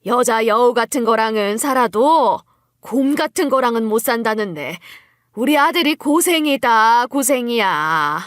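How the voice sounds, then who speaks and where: A scornful, scheming older mother-in-law as a woman narrator acts her out in an audio story. She nags in drawn-out, emphatic phrases, pitched rather high. The recording is close and dry. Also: expressive, no room sound.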